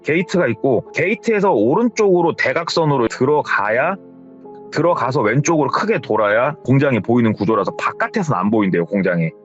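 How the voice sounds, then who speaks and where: A man's voice: medium pitch, expressive, a little fast, lo-fi sound, faint music behind. A man telling a horror story casually, retelling what someone else told him in a conversational tone. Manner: conversational, retells secondhand with hearsay endings.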